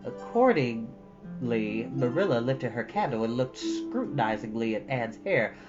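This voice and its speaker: A woman's voice: a bass voice, lively intonation, measured pace, dull audio. A woman reading a storybook aloud expressively as a storytime host. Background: instrumental music.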